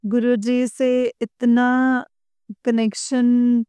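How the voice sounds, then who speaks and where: A woman shares a devotional story in an earnest, heartfelt way. Her fairly high voice is smooth and clear, and she speaks slowly. The sound is dry and close. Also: flat delivery, warm tone, dry recording. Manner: earnest, repeatedly addresses listeners as congregation; emotional, heartfelt. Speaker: devotee sharing an experience. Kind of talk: devotional testimony to listeners.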